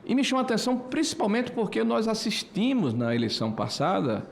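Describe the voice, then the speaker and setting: Homem de sessenta anos, voz rouca. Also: male voice, high voice, sing-song, gravelly. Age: 60s. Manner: hesitant, many filler pauses, builds to emphatic indignation. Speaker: senator. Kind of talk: committee floor speech. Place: senate committee room.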